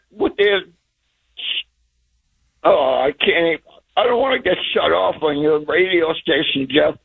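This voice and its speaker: A man in his sixties rants heatedly over a tinny phone line. His voice sits high for a man, and he speaks at an unhurried, drawn-out pace. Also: gravelly, slightly rough. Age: 60s. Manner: heated, ranting. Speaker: caller. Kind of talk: call-in radio rant.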